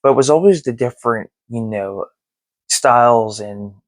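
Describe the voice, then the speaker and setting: A man's voice: mid-range voice, moderate pace, no echo. A man in his thirties hosting a movie review channel, chatting casually to his viewers with lots of fillers. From born in Texas, raised in Germany and Florida. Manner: rambling, many fillers. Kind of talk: casual talk to camera.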